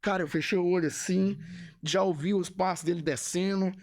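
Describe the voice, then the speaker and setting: This is a man with a slightly higher-than-usual voice, a guest on a podcast. He is a Catholic missionary telling a personal testimony, and he speaks earnestly, circling back to the same words to stress them. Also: fairly even intonation, brisk, darkish tone. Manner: earnest storyteller who repeats phrases for emphasis.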